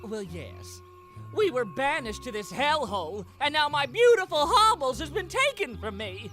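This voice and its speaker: An actor playing a flamboyant, melodramatic, effete wizard with a theatrical, swooning manner in a comic fantasy game. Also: male voice, extremely high pitch, sing-song, moderate pace, pushed and bright, faint music behind, full character voice. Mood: fussy, dramatic. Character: flamboyant, melodramatic, effete male wizard mourning his stolen familiar.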